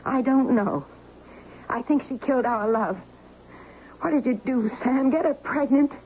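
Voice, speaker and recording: A woman's voice: sits high, unhurried, slight background noise. An actress playing a wounded wife who confronts her husband in an old-time radio drama. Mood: hurt. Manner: hurt, pleading, accusing. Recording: dull lo-fi radio recording with loud music.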